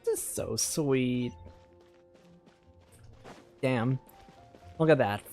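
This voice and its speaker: A woman's voice: extremely low pitch, drawn-out words, warm tone, faint music behind. A woman giving casual gameplay commentary as a streamer, rambling and thinking aloud. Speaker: game streamer.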